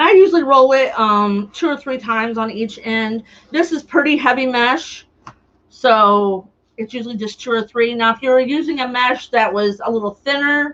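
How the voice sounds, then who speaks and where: Loud and high-pitched, a woman with an American accent talks at a moderate pace with ordinary pitch variation. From Illinois. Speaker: crafter. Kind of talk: craft tutorial livestream. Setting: live stream.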